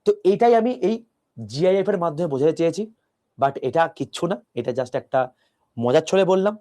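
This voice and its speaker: Soft-spoken male physics teacher, mellow tone. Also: a little high, very animated, fairly quick. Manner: talks softly to a close mic, explaining step by step with rhetorical questions. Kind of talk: online class lecture. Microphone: close mic.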